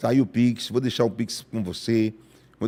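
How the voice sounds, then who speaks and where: A man speaks at a fairly low pitch. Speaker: pastor. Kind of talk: sermon. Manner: fast.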